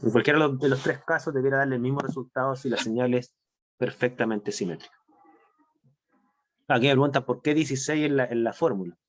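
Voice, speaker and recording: Guy giving a chem lecture, middle pitch, keeps asking if u follow, slows down on the key stuff. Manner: explanatory, checks understanding with frequent tag questions. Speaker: university chemistry lecturer. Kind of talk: online class lecture.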